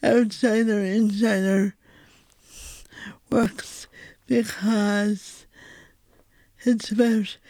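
An Irish woman speaking as a guest playwright in a reflective conversation, thoughtful and halting, often repeating words as she finds them. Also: mid-range voice, little pitch movement, warm tone, no echo.

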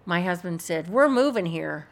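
An older woman reminiscing softly as an interviewee. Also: fairly low pitch, lively intonation, normal speed, gravelly.

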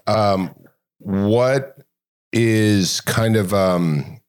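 A man's voice: on the low side, extremely slow, clean tone. A man interviewing a guest, asking long questions that he works out as he goes. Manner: probing, thinks aloud in long questions. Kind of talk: conversational interview.

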